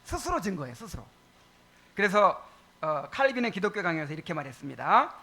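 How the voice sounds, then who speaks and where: A male pastor teaching a catechism sermon, asking the congregation questions, repeating key points for emphasis, with frequent pauses and fillers. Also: high-pitched, big pitch swings, bright, forceful tone.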